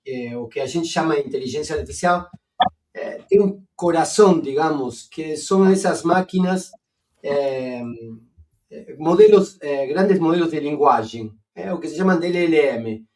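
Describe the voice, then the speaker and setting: A man with an Argentine Spanish accent speaking Portuguese as a philosopher guest, explaining ideas slowly with many fillers and restarts. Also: fairly high pitch, a little mellow, distant mic. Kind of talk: academic conversation.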